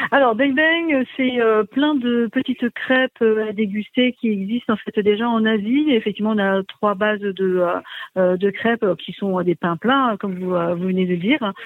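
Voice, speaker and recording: A woman with an ordinary speaking voice, a fairly high pitch, ordinary pitch variation and a fairly slow pace. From Vietnam, Sino-Khmer family. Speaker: restaurant owner. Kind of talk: radio interview. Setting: phone call.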